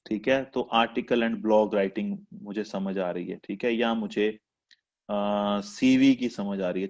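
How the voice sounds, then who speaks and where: Chatty instructor on a dull call. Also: male voice, on the low side. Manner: chatty, teasing, rhetorical. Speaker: freelancing instructor. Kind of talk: live online class lecture.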